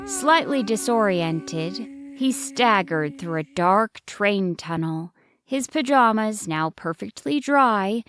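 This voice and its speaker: Slow-paced woman bedtime storyteller. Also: mid-range voice, animated, a bit bright. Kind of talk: scripted children's bedtime story narration.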